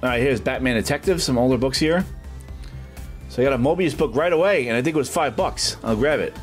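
A man's voice: mid-range voice, brisk, music in the background. Chatty middle-aged man. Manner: chatty, rambling, many "uh" fillers, excited when finding books. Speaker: vlogger touring a comic shop. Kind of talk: casual walking vlog narration. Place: street, then a small comic shop indoors.

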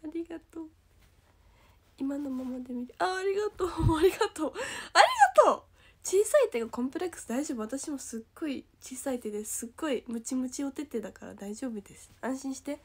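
A young woman with a Kansai accent chatting casually on a livestream, reading comments aloud, giggling often and sometimes dropping to a soft whisper. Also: sits high, lively intonation, a little fast. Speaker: idol livestream host.

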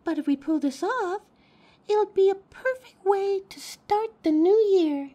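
A woman's voice: very high-pitched, measured pace, warm tone. A woman playing a wisecracking thief with a playful, teasing way of talking in an audio drama. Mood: focused. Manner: playful banter. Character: teasing, wisecracking female thief planning a heist.

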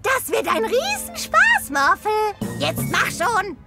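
A woman's voice: very high-pitched, wildly swooping pitch, slow pace, exaggerated voice. A woman voicing a plucky, bossy little girl in a children's cartoon, exclaiming and giving orders. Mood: bossy, scheming. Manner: exclamatory, commanding. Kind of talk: animated children's cartoon dub. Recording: loud music under the voice.

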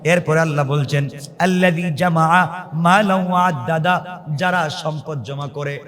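A man delivers a waz sermon in a high voice, fervent and dramatic. He swings between quiet pleading and soaring chanted cries, and slips into sung recitation. The sound carries a long, echoing reverb, as from a big hall or a PA at a large gathering. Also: fairly even intonation, measured pace. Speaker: preacher.

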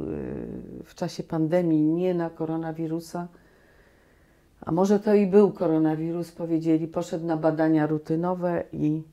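Low-pitched woman guest in her sixties, mellow voice, lively anecdotes, lapel mic in a small room. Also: vocal fry. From Poland. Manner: animated storytelling with many restarts. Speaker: guest actress. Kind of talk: relaxed reminiscing conversation. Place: small cozy room, indoors.

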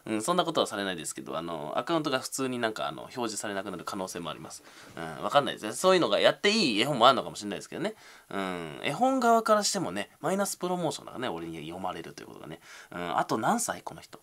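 A man's voice: fairly low pitch, wildly swooping pitch, rapid-fire, fairly bright tone. A young man, reading viewer comments aloud on a casual livestream and answering them with self-deprecating, mumbled asides.

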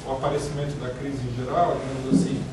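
A man's voice: medium pitch, level tone. Brazilian man lecturing in an echoey room. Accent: Brazilian Portuguese. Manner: measured, lecturing with many pauses and restarts. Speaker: party leader giving a lecture. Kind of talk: political lecture. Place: small meeting room indoors. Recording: echoey room, picked up from a distance, noisy.

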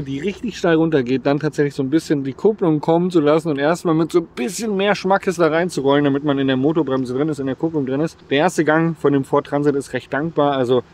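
A man in his thirties casually presenting tips to viewers, upbeat and talking with his hands, recorded outdoors on a gravel lot. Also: on the high side, brisk, a little mellow. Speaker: vlogger presenting driving tips. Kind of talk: casual explanatory vlog talk. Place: outdoors on a gravel lot beside a camper van.

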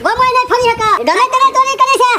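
Shrill, fast-talking, hot-headed cartoon village don, noisy recording. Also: male voice. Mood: angry. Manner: blustering, accusing, threatening. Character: bossy village don Duga, short-tempered. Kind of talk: cartoon voice acting.

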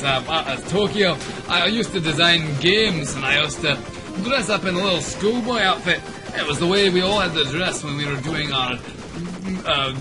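A man's voice: fairly high pitch, pitched above the performer's own voice, lightly acted. A man hamming up a boastful mock game designer. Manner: exaggerated put-on accent, loud and bouncy.

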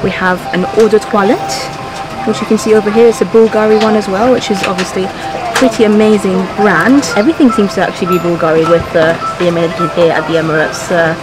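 A young woman in her twenties chats eagerly to a camera held at arm's length from her airplane seat. Her voice sits at an ordinary middle pitch and carries lots of enthusiasm. Loud background music plays under her throughout. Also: rough recording. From Persian-speaking family. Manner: chatty and enthusiastic, easily impressed. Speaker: travel vlogger. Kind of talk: casual travel vlog chat to camera. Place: airplane business class cabin. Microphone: handheld camera at arm's length.

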